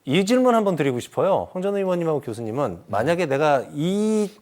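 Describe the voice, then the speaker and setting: A man's voice: a little high, big pitch swings, fairly quick, darkish tone. A man hosting a current affairs TV panel, putting questions to guests and summing up points for viewers. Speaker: TV talk show host. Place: broadcast studio.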